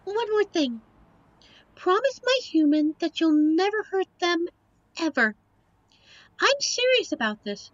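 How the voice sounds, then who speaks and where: A woman's voice: very high-pitched, big pitch swings, a little slow, pauses often, no echo, muffled recording, full character voice. A woman playing a young, devoted succubus girlfriend in an audio roleplay, earnest, emotional and protective. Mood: stern, protective. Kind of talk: audio roleplay drama acting.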